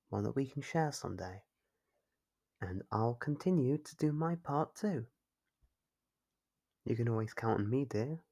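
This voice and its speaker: Male actor as a possessive yandere kidnapper, husky, unhurried, formal wording, doting and controlling, ASMR roleplay. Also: mid-range voice, a little mellow. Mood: tender, possessive. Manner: measured, formal, fussily solicitous.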